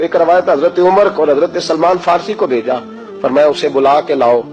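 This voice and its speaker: A man's voice: on the high side, muffled recording. A man preaching through stories in a dramatic, impassioned way, acting out dialogue and repeating phrases for emphasis. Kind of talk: storytelling sermon. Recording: loud music under the voice. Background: music.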